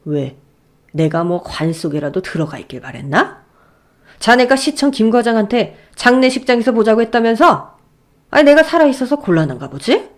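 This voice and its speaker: A woman voicing a wealthy older father who scolds and sneers at his son-in-law in a lowered, gruff voice, as a story reader. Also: sing-song, moderate pace. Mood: sarcastic. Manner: gruff, sneering, shouting insults. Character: furious rich old father, blunt and scolding.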